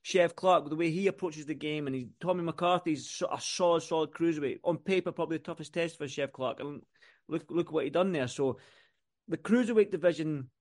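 A UK man co-hosting a boxing podcast speaks briskly in a fairly high voice. His casual talk rambles and repeats, piling up lists and restarts.

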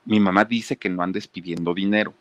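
A man voicing a kind older sister who gently coaxes her little brother. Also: low voice, steady tone, brisk, no room sound, muffled recording, close to an everyday voice. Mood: coaxing. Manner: coaxing, gently persuasive. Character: kind older sister, young woman, reasonable.

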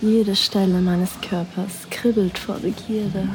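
A woman narrating an erotic audio drama in the first person, in a breathy, sensual way that slips into whispers. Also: medium pitch, steady tone, takes it slowly, rough recording.

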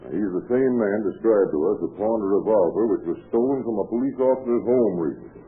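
Man playing a deep-voiced 1930s police inspector, tinny radio. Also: fast, lightly acted. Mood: calm, firm. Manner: 1930s cop talk, folksy and steady. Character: calm, wry 1930s police inspector, firm and unhurried. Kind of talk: 1930s radio crime drama acting.

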